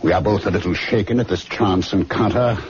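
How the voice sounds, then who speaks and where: An actor playing a prosperous white-haired doctor in a radio drama, formal and courteous but evasive and uneasy. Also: male voice, sits low, brisk, close to an everyday voice. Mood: uneasy, placating. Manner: polished, courteous, flustered when pressed. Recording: dull, noisy radio drama recording.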